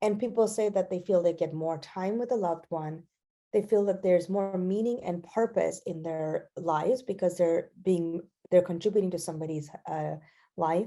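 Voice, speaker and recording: Speaking at a moderate pace with a Gujarati accent, a woman uses a medium pitch and ordinary pitch variation. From India. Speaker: researcher. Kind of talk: lecture.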